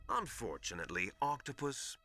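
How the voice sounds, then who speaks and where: An actor playing a smug, menacing villain who gloats in a mocking, theatrical way in a dramatic video game. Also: male voice, medium pitch, big pitch swings, moderate pace. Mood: calculating. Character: smug, menacing male villain gloating over his scheme. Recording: loud music behind the voice.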